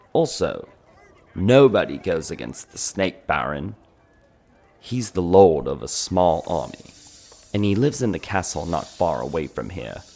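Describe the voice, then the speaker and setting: Man playing a gravelly, low-voiced tavern storyteller. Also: full character voice. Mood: gossipy, wary. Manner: conspiratorial, dramatic, addressing the listener directly. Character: male tavern owner, gossipy storyteller of a dark fantasy town. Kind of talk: fantasy ASMR roleplay storytelling.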